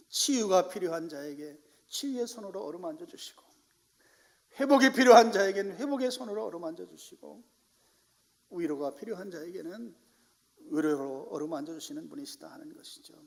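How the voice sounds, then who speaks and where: A male pastor preaches a dramatic sermon, swinging from loud exclamations to near-whispers. His voice sits high for a man. Long reverb from the church sanctuary hangs on every phrase. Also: creaky.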